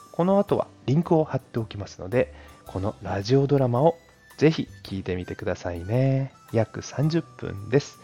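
A male audio host with a mid-pitched, mellow voice gives a courteous announcement to listeners. He speaks politely and adds chatty asides, with soft music running faintly underneath. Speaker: audio channel host and amateur voice performer. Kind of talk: announcement and thank-you talk to listeners.

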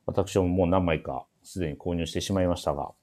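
A man with a very deep voice hosts a relaxed radio chat. He talks quickly and often chimes in to agree, politely steering his guests along. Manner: frequent backchannel responses, prompts guests politely. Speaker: radio show host. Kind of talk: casual chat hosting a shop radio show.

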